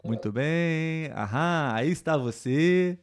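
A Brazilian man with a slightly high-pitched voice hosts a live podcast for Portuguese learners. He speaks in a welcoming way, thinks aloud with "é" and "ah", and chats gently with a student guest. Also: lively intonation, takes it slowly, smooth. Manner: warm, welcoming, many fillers like "é" and "ah". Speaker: podcast host and Portuguese teacher.

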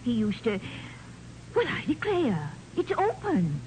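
A woman's voice: fairly high pitch, wildly swooping pitch, slow pace, darkish tone, full character voice. An actress playing an earnest, plain-spoken female servant with a folksy, deferential manner in a 1940s radio drama. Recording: noisy 1940s radio recording.

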